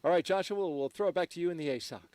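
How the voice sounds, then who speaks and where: A man's voice: fairly high pitch, rapid-fire, darkish tone, dry recording. A man hosting a live space launch broadcast, doing interviews and commentary.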